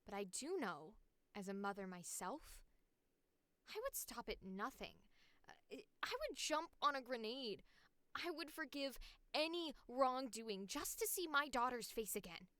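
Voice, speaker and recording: A woman's voice: on the high side, expressive, a little slow, long pauses, a bit bright, no echo. A woman voicing a fiercely loving, pleading mother in an earnest, emotive dramatic monologue. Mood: impassioned. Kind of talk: dramatic character audition monologue.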